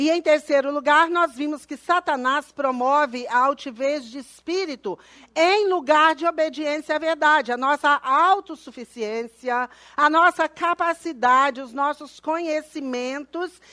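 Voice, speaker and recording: Speaking at a fairly slow pace in a high, bright and sharp voice with ordinary pitch variation, a woman projects loudly with big swings in volume, recorded dry and close with no echo. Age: 60s. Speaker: conference speaker. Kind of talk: sermon.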